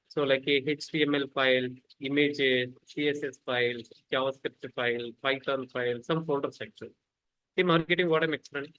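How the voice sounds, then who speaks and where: Man, online instructor, higher pitch, repetitive, call-and-response teaching over computer mic. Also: a bit bright, low-quality recording. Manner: repetitive, fillers like "actually", quizzes students. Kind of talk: live online lecture. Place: home, rain outside.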